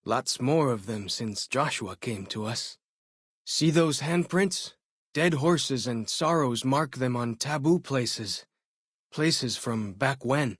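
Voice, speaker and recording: A young tribal scout guiding a traveler in a video game. He is friendly and full of curiosity, with folksy, chatty phrasing. The voice is mid-pitched and a touch husky, recorded dry and close. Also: takes it slowly, no room sound. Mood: informative, easygoing. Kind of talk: video game companion dialogue.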